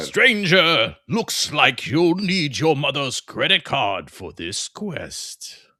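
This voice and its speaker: Using a put-on character voice, a man speaks at a very slow pace in a fairly high pitch, with very wide pitch swings and big swings in loudness. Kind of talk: grand, storytelling.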